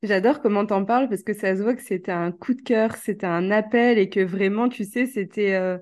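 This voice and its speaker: A woman's voice: medium pitch, normal speed, a little mellow. A woman hosting a podcast, enthusiastic and upbeat as she introduces and interviews a guest. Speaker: podcast host, coach.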